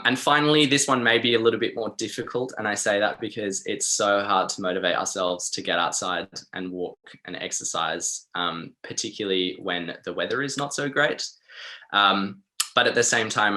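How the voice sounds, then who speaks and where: A man with an Australian accent and a very low, bright-edged voice. He presents a wellbeing webinar informally, chatting in an encouraging way and softening his suggestions as he goes. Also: rough recording.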